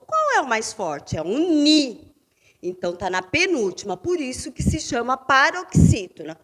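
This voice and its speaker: A Brazilian woman teaching a fifth-grade class in a remote lesson, stressing syllables loudly as she sounds out words. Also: a little high, huge pitch swings, normal speed. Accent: Brazilian Portuguese.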